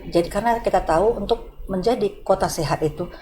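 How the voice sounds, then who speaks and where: A woman who works for the city government, speaking on a panel in a measured way with frequent hesitations. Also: medium pitch, warm tone. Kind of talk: casual panel talk.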